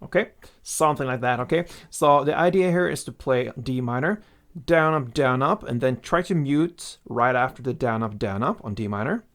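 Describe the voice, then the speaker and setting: With a medium-pitched, expressive, fairly bright voice at a moderate pace, a guitar teacher walks through a relaxed lesson one step at a time. Acoustic guitar sounds behind him as he counts off each strum.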